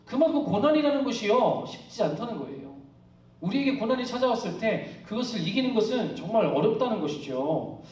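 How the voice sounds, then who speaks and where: Male pastor, live church sermon; conversational, laughs easily; lively pitch, roomy distant sound. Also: fairly quick. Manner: conversational, asks the congregation questions; laughs often while preaching. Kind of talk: live sermon to a youth congregation. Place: church worship hall. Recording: echoey hall, distant mic.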